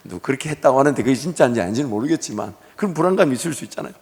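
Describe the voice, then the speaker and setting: A male pastor preaching a sermon, moving between hushed, whispered prayer and loud, animated storytelling. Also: medium pitch, racing. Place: church sanctuary. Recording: echoey church hall.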